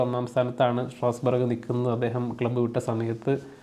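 A man talks at a medium pitch while noticeable background noise is present. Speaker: football video commentator. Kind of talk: solo commentary video.

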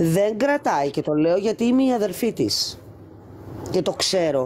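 With light background noise behind her, a woman speaks fairly slowly in a dark, mellow tone, her pitch swinging very widely. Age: 50s. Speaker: tiktok live participant; live stream host. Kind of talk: heated debate. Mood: firm, slightly weary. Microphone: phone near.

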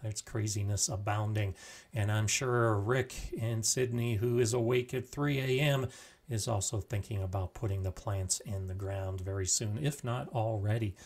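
A man's somewhat breathy voice moves at a moderate speed, its pitch rising and falling in an ordinary way. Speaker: gardening channel host. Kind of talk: live-stream show intro. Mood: warm, friendly. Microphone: studio mic.

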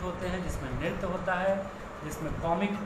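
Fairly slow speech from a man, noticeable background noise behind it. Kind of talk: online lecture. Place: home room. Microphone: phone near.

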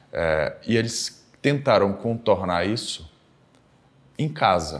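Lively intonation marks this man's speech. His pitch sits fairly low. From Brazil, Minas Gerais (Carangola); Minas Gerais, Brazil. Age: 30s. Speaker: interviewee. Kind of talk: interview. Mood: reflective, calm. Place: home room.

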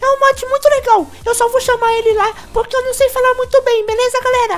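With clear background noise behind her, a woman speaks in a put-on character voice. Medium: solo performance. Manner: halting, simple-minded.

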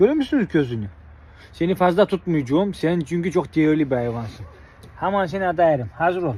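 A man speaks with a high voice and lively intonation. His pace is fairly quick. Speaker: fisherman. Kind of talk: casual social media video talking to a caught fish. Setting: outdoors at sea. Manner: playful, humorous.

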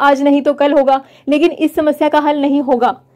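Talking at a moderate pace, a woman uses a high-pitched voice. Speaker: study vlogger. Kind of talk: vlog monologue.

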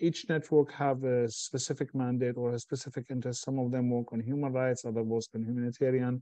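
A man with an Arabic accent speaks at a fairly quick pace with hardly any pauses, in a monotone, flat intonation. The sound is dry with no echo over a quiet background. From Syria. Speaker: humanitarian worker; speaker. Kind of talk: panel discussion. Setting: video call. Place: home room. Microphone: earbuds.

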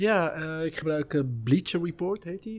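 Using a plain, everyday voice, a man speaks with lively intonation. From Tunisia. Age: 30s. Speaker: hostel facilities manager. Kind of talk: interview. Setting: in a hostel.

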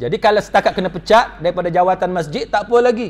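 The man's voice sits at a high pitch. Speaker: Islamic preacher and lawyer; Islamic preacher, lawyer. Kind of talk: religious lecture. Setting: mosque. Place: church. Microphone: podium.

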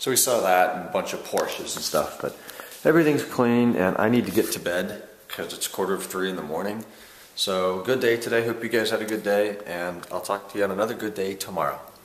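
A man talks at a fairly quick pace with a fairly low pitch and ordinary pitch variation. Room echo is audible. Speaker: vlogger. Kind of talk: casual vlog chat. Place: garage. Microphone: phone near.

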